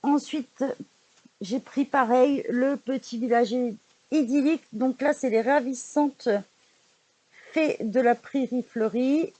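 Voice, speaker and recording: A woman's voice: high voice, slow pace, warm tone, dry recording. A woman vlogger in casual chat, showing books she bought, hesitant with frequent fillers and restarts, recorded indoors at home. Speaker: vlogger showing a book haul.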